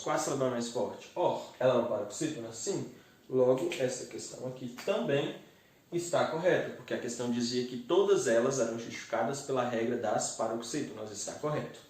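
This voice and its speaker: A man teaching grammar step by step and slowly sounding out the syllables of each word. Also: mid-range voice, a little mellow. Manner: methodical, spells out syllables slowly. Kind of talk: explaining grammar exercises. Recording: very echoey room, distant mic.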